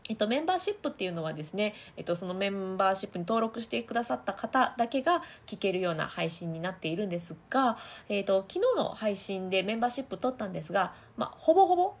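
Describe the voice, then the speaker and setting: A woman hosts a casual voice-training podcast. Her voice is breathy and a touch husky, with a lively, swinging pitch. She chats freely, laughs often and slips into demonstration voices. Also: fast, hardly any pauses. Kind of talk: casual audio podcast talk.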